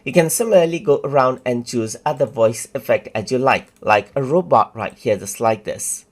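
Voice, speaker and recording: A man walking viewers step by step through a software tutorial, casual and repetitive, with fillers. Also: mid-range voice, moderate pace. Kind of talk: screen-recorded tutorial narration.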